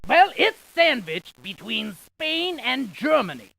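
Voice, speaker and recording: High, creaky, quirky game scientist. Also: male voice, very animated, slow pace, bright, forceful tone, exaggerated voice. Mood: quirky, excitable. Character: excitable, quirky scientist tour guide, full of folksy quips. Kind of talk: cartoonish video game character lines.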